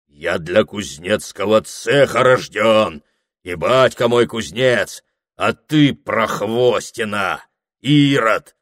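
A man voicing a huge, drunken, furious deacon who bellows long, drawn-out threats. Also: on the low side, a bit bright. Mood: mocking.

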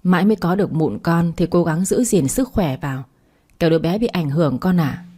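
A woman's voice: lowish voice, lively intonation, a little fast, mellow, husky. A woman reading a story aloud, voicing an older mother who sadly advises her daughter. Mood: sorrowful. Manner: sorrowful, coaxing.

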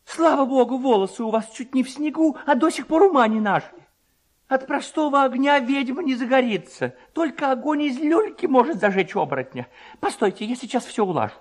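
A man's voice: extremely high pitch, expressive, brisk, voice pushed up. A man voicing a superstitious know-it-all village distiller in a literary reading, lecturing and chiding his companions.

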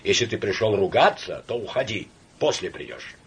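A man's voice: lowish voice, sing-song, moderate pace, a bit bright, a little hiss or hum. A man doing a blustering, pompous army doctor. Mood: indignant. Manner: stiff, emphatic and blustering. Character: middle-aged male army doctor, pompous and hot-tempered.

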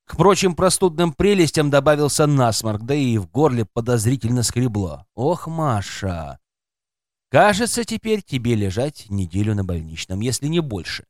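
A man's voice: mid-range voice, sing-song, moderate pace, a little mellow, no echo, studio quality. A man reading an audiobook aloud as scripted first-person narration, expressively voicing a woman narrator's inner thoughts.

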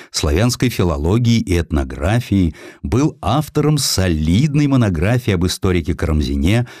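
A man narrating a historical story as an audiobook, expressive and measured in his storytelling. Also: on the low side, no echo, studio quality. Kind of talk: scripted literary narration of a historical sketch, acting out dialogue.

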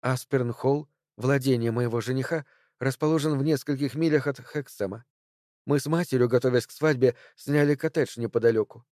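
A man voicing a composed, clever young woman in an audiobook, speaking in a calm, measured way close to his own voice. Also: medium pitch, no echo, close to an everyday voice. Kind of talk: audiobook character voice.

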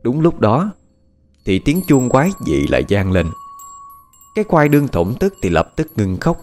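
A man narrating a dramatic story in an expressive, measured voice. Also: medium pitch. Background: faint background music.

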